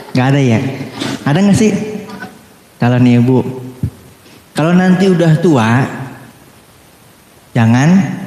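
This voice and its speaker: A man preaching a lively sermon, joking and asking his audience questions. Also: a little high. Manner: animated, playful, asks the crowd questions. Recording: echoey hall with long reverb.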